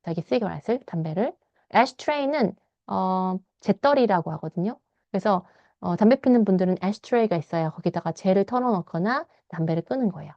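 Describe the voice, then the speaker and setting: Korean teacher reading English slowly aloud. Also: female voice, medium pitch, lively intonation, dark tone, no echo, highs cut off. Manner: reads English lines slowly, then explains in quick Korean. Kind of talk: bilingual read-aloud lesson, explaining a novel.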